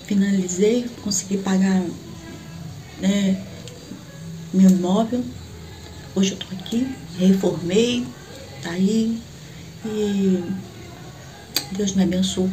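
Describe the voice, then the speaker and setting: A middle-aged woman with a Brazilian Portuguese accent, a church prophet giving a personal testimony and acting out the dialogue as she tells it. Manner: animated, acts out the dialogue with sharp jumps in pitch.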